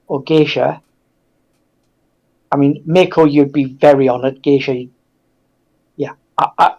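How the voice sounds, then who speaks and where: A man speaking in a halting, reflective way as a guest in a casual discussion. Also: a little high, darkish tone, low-quality recording.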